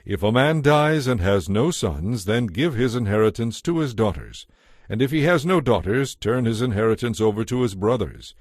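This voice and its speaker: A man giving a measured, formal narration of scripture from a script. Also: medium pitch, expressive, a little mellow, dry recording, studio quality. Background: music.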